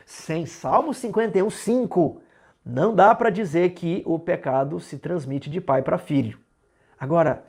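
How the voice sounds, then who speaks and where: A man teaching a Bible lesson, explaining eagerly with rhetorical questions and emphatic rises and drops. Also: high-pitched.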